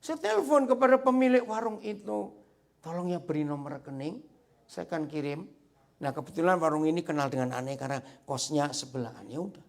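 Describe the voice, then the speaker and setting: A man preaching a sermon as pastor, telling a story with lively asides to the congregation. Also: a little high, a little fast, creaky. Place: church sanctuary.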